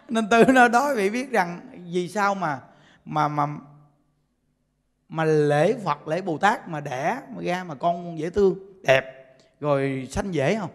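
High-voiced man preaching in a reverberant hall. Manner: animated, laughing storyteller. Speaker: Buddhist preacher. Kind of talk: sermon.

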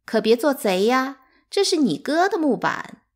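A woman's voice: high-pitched, very animated, unhurried, pitched above the performer's own voice, full character voice. A woman doing a smug teenage servant girl. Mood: scornful. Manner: taunting, scornful.

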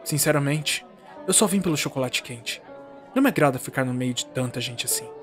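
A man's voice: medium pitch, animated, fairly quick, music in the background, lightly acted. A man playing a gloomy, aloof teenage boy in a comic dub, with a grumbling, sarcastic manner. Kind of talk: fan comic dub drama acting.

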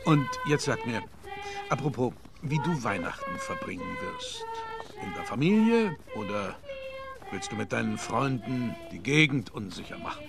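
An actor playing an urbane, shrewd older gentleman lawyer in a German radio play, speaking theatrically. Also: mid-range voice, huge pitch swings, normal speed, gravelly, loud music behind the voice. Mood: dry, avuncular.

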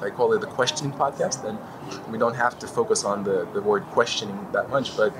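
A man's voice: lowish voice, a little fast. A young man from Lithuania hosting a podcast, asking curious, reflective questions in an outdoor dome. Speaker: podcast host. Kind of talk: conversational interview. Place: outdoor glass dome on a city square. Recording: street noise behind.

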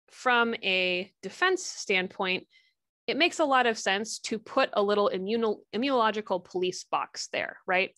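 A woman's voice: mid-range voice, fairly bright tone, dry recording, clean studio sound. A woman giving a recorded histology lecture, chatty and upbeat, with jokey asides and frequent ums.

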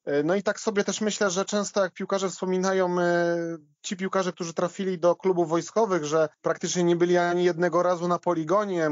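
A man's voice: fairly high pitch, no room sound, muffled recording. A man talking off the cuff as a podcast panellist, hesitant and often padding with fillers. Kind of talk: unscripted sports discussion.

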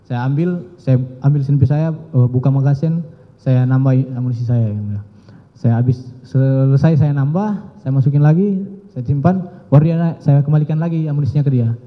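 Young man testifying in reverberant court. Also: medium pitch. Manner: halting, deferential, often says "Yang Mulia". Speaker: defendant giving testimony. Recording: muffled broadcast audio with long courtroom reverb.

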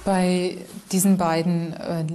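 A woman's voice: lowish voice, little pitch movement, takes it slowly, dark tone, soft background music. A woman speaking as a scientific expert, explaining things in an interview. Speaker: forensic anthropologist, expert interviewee. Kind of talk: explaining to a lay audience.

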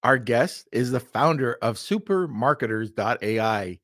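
A man hosting a business podcast in a lively, chatty way, introducing guests and reading sponsor spots. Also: medium pitch, unhurried, no room sound, studio quality. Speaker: podcast host. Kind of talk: podcast interview.

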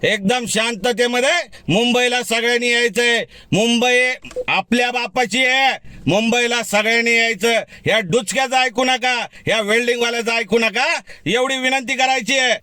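A man's voice: very high-pitched, steady tone, moderate pace, sharp tone, dry recording. A man, an activist giving a heated, defiant rebuttal straight to the camera. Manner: defiant, heated, direct address. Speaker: community activist. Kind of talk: fiery video rebuttal.

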